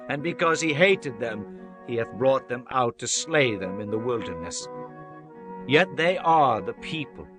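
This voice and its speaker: A man playing a solemn prophet exhorting his people in a measured, declamatory reading of dramatized scripture. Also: on the high side. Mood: pleading. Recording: music under the voice. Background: music.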